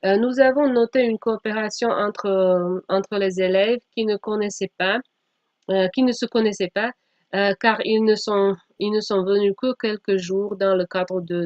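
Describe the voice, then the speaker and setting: A woman from Slovakia, a non-native speaker whose first language is Slovak, giving an academic presentation in a halting way with frequent self-corrections. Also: medium pitch, darkish tone, no echo. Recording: dull lo-fi microphone sound.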